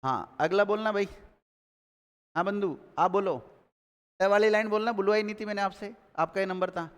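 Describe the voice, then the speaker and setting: Man, teacher, question-and-answer drilling, calls on students, high-pitched. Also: normal speed, clear, resonant tone, long reverb tail. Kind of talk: live online Hindi grammar class.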